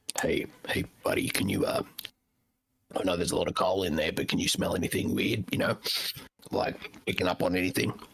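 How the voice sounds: A man puts on a raspy character voice. He talks at a fairly quick pace but leaves long, frequent pauses.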